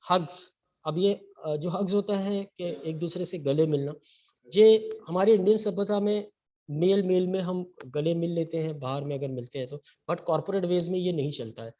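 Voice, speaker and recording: A man's voice: high-pitched, moderate pace, dark tone. A man giving an online training lecture, mixing Hindi and English and often checking in with "okay?". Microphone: webinar computer mic. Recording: dull lo-fi webinar audio.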